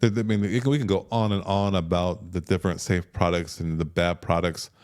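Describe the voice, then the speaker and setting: A man in his fifties talking casually as a health coach, relaxed and repeating words as he thinks. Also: low voice, a little fast. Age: 50s. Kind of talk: casual conversational health talk.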